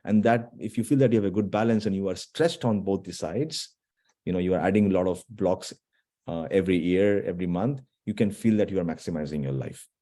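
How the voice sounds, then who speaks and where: A low-pitched man speaks to an online audience in a mellow, relaxed voice. He is earnest and restarts his phrases now and then. He often stops to check that his listeners are following. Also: a little fast. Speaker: guest speaker. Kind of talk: online motivational talk to students.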